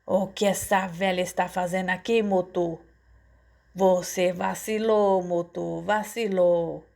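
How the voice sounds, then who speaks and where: A woman voicing a hot-headed young male gangster with a hoarse, threatening delivery in an audiobook story. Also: fairly low pitch, fairly even intonation, takes it slowly, darkish tone. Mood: furious. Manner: aggressive, threatening.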